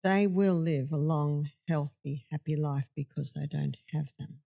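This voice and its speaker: Older woman, lowish voice, emphatic storyteller, conversational guest. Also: a little slow, creaky, warm tone. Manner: emphatic storytelling with acted quotes. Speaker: health speaker. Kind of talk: conversational interview.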